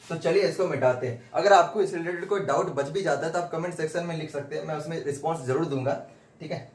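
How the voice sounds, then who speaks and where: Speaking fast in a slightly high voice, a man teaches English grammar at a whiteboard, asking himself questions, answering them, and repeating his points. The room echoes, and there's faint noise behind him.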